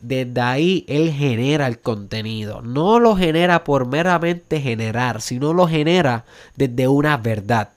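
A man's voice: medium pitch, lively intonation, a little slow, hardly any pauses. A man from Puerto Rico with a Puerto Rican accent, hosting a motivational podcast monologue in an emphatic style, building to urgent questions and dropping English words into his Spanish. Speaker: podcast host.

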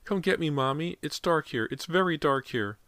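A small, frightened boy acted out by a man begs in a thin, high, plaintive voice. The pitch sits far above an adult male's and swings about as the child pleads, in storybook horror style. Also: animated, bright, forceful tone, no echo. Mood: frightened pleading. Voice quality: tiny, thin voice. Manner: slow plaintive begging.

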